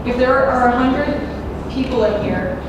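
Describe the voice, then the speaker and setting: A woman's voice: sits high, measured pace, dull audio. A young woman debating as a student, answering defensively and turning questions back on her opponent. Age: young adult. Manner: defensive, deflects with counter-questions. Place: large echoey university hall. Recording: echoey hall, distant mic, room noise.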